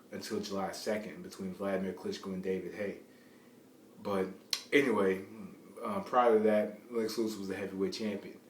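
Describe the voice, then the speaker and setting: Lower-voiced man in a roomy, distant recording. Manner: rambling, halting, repeats phrases to restart. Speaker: amateur boxing commentator. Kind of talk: informal unscripted sports commentary. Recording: roomy, distant mic, faint background noise.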